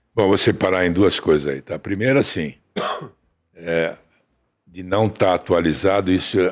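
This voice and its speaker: This man speaks with a very deep, low pitch and ordinary pitch variation, leaving long, frequent pauses. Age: 70s. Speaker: football executive. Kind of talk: podcast interview. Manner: animated.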